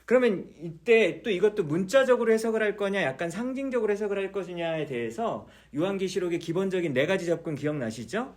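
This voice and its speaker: A man's voice: high voice, expressive, fast, few pauses, darkish tone. A man teaching a church Bible study, explaining patiently, repeating key words and asking his listeners many questions. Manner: mixes English words into explanations.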